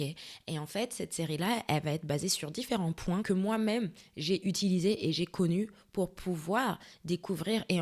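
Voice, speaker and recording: A young woman hosting a faith-based self-help podcast, talking straight to the listener and often checking in with a quick question. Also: lowish voice, a little mellow. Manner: conversational, addresses listener directly with frequent "ok?" and "tu vois". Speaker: podcast host.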